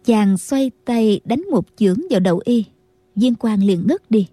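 A woman narrating a martial-arts novel as an audiobook, in a steady storytelling manner. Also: medium pitch, measured pace, breathy edge, no echo.

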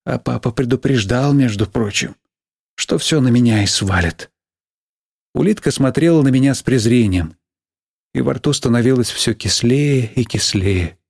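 A man reading a novel aloud in an even, measured storytelling manner. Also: mid-range voice, gravelly, no room sound, studio quality. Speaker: audiobook reader. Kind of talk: scripted first-person narration.

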